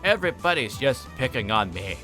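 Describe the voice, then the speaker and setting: A man's voice: medium pitch, very animated, brisk, pushed and bright, faint music behind. A man voicing a put-upon, grumbling teenage boy from an anime visual novel, plain-spoken and exasperated. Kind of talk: amateur visual novel character reading.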